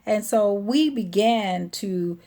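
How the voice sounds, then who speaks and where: A woman's voice: medium pitch, takes it slowly, dark tone. A middle-aged woman, a hair care business owner, telling her personal story in a chatty way with many fillers.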